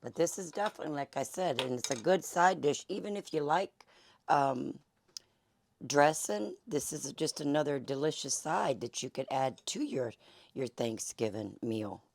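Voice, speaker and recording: Hoarse Southern woman chatting while cooking. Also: sits low, expressive, normal speed. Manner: chatty, folksy, many fillers. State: hoarse, losing her voice. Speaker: cooking channel host. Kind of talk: casual cooking demonstration. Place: home kitchen.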